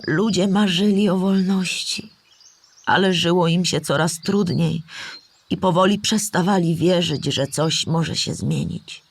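A woman playing a patient storyteller who explains history to children in a scripted audio play, with clear, measured delivery. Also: on the low side. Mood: explanatory, patient.

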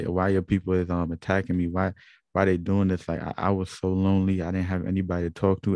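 Deep, flat-voiced Guyanese young man. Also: dry recording. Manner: earnest, reflective, many fillers and restarts. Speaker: channel host. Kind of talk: personal testimony vlog.

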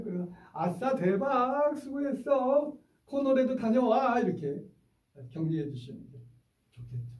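High-voiced man lecturing parents. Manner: lively, acts out parent and child lines, leads the audience in repeating phrases. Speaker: school teacher lecturing parents. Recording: distant, roomy, dull lecture recording.

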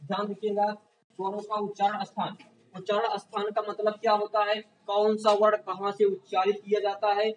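A man with a high voice lectures a class and keeps quizzing his students, then answers his own questions and checks that they are following. He was recorded from across the room, so he sounds distant. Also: fairly bright tone. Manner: asks the class questions and answers them himself, often repeating "confirmed?". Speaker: teacher. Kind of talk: classroom lecture for exam prep.

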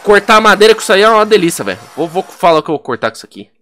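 A young man with a Brazilian Portuguese accent giving excitable, profane let's play commentary, yelling at the game as he plays. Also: high voice, very fast. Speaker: gaming YouTuber.

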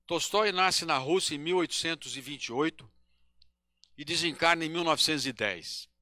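A man in his sixties from Brazil gives a devotional lecture at a podium in a small hall, talking slowly and haltingly with pauses and self-corrections into a handheld microphone. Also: on the high side, bright, forceful tone, clean studio sound. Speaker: spiritist lecturer.

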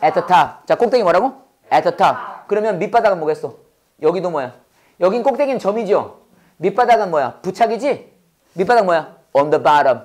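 An English teacher with a hoarse, mid-range voice and a somewhat dark tone drills the class briskly. The intonation is lively, and each prompt is repeated for the students to echo.

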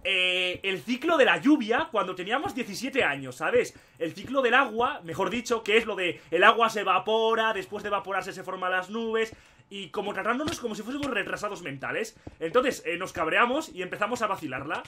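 A young man from Spain with a Spain Spanish accent, telling stories in excitable, slangy casual gaming commentary. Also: high-pitched, fairly quick, a little hiss or hum. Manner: excitable storyteller, laughs often, slangy. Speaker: gaming YouTuber.

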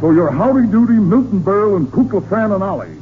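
A man's voice: sits high, animated, quick pace. A man playing an exasperated, sputtering middle-aged American father in a 1940s radio comedy. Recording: tinny, faintly noisy 1940s radio recording.

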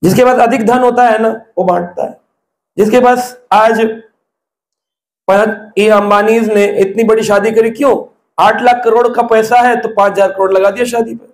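A man's voice: high voice, fairly even intonation, moderate pace, echoey room. A man giving a devotional discourse, telling stories and asking the listeners rhetorical questions. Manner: storytelling, asks rhetorical questions. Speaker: preacher.

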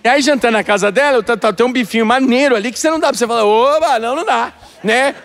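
A male stand-up comedian telling a story in an animated, flustered way. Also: extremely high pitch, rapid-fire. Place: comedy stage.

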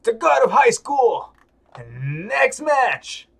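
Hyped comic-book fight announcer, played by a male reader, high-pitched, shouting, stretching words out. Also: very animated, slow, vocal fry, breathy edge, heavily acted.

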